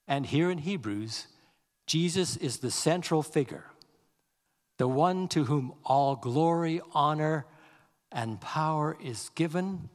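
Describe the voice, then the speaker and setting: A man preaching a sermon, reading scripture aloud slowly and leaning on key words. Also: on the high side, long reverb tail. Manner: slow, measured delivery, reading scripture aloud with deliberate emphasis. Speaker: pastor.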